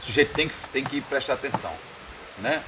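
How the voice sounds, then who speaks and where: A man's voice: mid-range voice, quick pace, a crowd in the background. A man, a radio producer, telling stories in a casual bar-table interview, laughing often and tagging lines with a questioning "right?". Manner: chatty storyteller, laughs often, repeats "né?". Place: bar, indoors.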